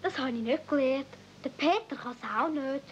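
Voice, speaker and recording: A woman's voice: high voice, normal speed, slight background noise, close to an everyday voice. A woman with a Swiss German accent playing a blunt, artless seven-year-old mountain girl in a 1970s radio play. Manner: plain, blunt. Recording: dull old cassette transfer.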